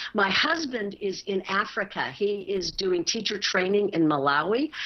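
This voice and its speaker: A woman talks with an American accent and lively intonation. Noticeable background noise sits behind her. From US West Coast, San Francisco. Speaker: author and workshop leader. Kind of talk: interview conversation.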